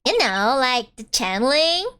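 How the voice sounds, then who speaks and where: A woman's voice: high-pitched, big pitch swings, unhurried, background noise, pitched below the performer's own voice. A woman voicing a bubbly, ditzy young sorority-type college student in a video game, with an airheaded Valley Girl accent. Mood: ditzy, casual.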